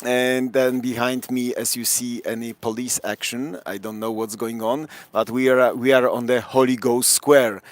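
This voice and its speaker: A man with a strong Polish accent, a city tour guide chatting through a live-streamed night walk in halting English full of fillers. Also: medium pitch, flat delivery, dry recording. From Poland. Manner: rambling, many fillers, halting non-native English. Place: outdoors on a city square at night.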